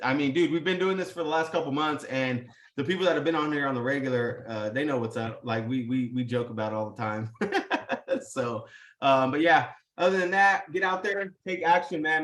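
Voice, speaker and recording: A man's voice: fairly high pitch, fairly bright tone, reverberant. Hyped, slangy man hosting a video call. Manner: hyped, profane, full of slang and fillers. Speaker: host. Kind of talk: casual motivational talk on a live video call.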